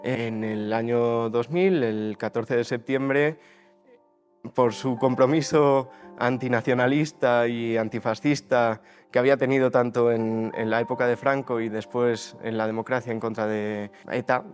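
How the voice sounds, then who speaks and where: A man's voice: mid-range voice, fairly even intonation, unhurried, faint music behind. A man in his twenties from Spain's Basque Country, giving a testimony in an interview and often stopping to restart his words. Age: 20s. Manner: hesitant, many restarts and fillers.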